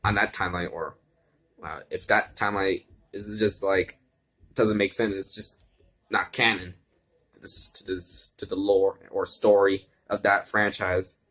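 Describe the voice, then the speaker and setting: A man's voice: low-pitched, fairly even intonation, a little slow, fairly bright tone. A man reading fan fiction aloud with casual asides, often stumbling over words and repeating himself.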